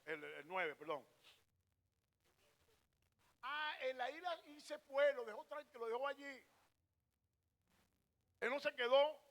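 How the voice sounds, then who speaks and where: High-voiced preacher. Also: male voice, vocal fry, fairly bright tone. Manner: asks the congregation rhetorical questions and answers them himself; directs a scripture reader between points. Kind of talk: sermon.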